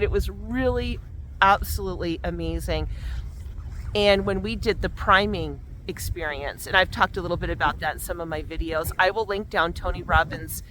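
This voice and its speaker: A woman's voice: lowish voice, a bit bright. A woman talking casually while walking outdoors in cold, windy weather, her lips numb from the cold, chatty and reflective about self-help ideas, often restarting her sentences. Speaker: vlogger.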